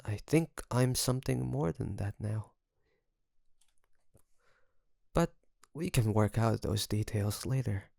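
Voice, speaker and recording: A man playing an obsessive, doting kidnapper best friend in an intimate audio roleplay, creaky, coaxing and teasing with soft menace. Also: on the low side, no room sound. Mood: doting, controlling. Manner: softly menacing, coaxing, teasing, with drawn-out phrases.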